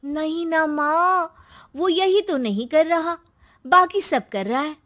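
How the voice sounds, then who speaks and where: A woman's voice: very high-pitched, slow, a bit bright, pitched above the performer's own voice, full character voice. A woman voicing a scheming young daughter in a cartoon who wheedles and manipulates her mother. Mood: wheedling. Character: scheming young woman plotting to seize family home.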